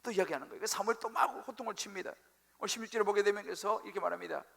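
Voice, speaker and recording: A male pastor preaching a sermon, telling the story with animated, acted-out quotes. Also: sits high, racing, vocal fry. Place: church sanctuary.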